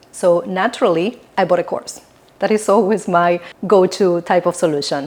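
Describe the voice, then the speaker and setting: Using ordinary pitch variation, a woman with a medium pitch and a non-native accent speaks at a moderate pace. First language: not English. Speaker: business coach and transaction coordinator. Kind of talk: vlog monologue to camera.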